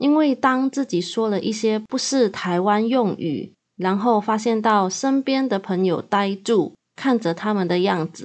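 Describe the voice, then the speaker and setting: Against a quiet background, a woman with a Malaysian accent talks at a fairly slow pace in a fairly high pitch with ordinary pitch variation. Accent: Malaysian Chinese accent in Mandarin. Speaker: podcast host. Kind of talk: casual solo chat.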